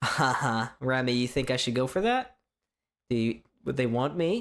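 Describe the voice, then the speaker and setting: Speaking at a moderate pace, a man with an unremarkable speaking voice keeps very even loudness and ordinary pitch variation. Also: medium pitch for a man. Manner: casual, rambling.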